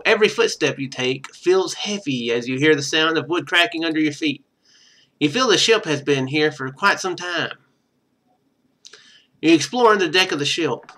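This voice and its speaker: Bright-voiced man streaming a game. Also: on the high side. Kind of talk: casual game commentary, thinking aloud.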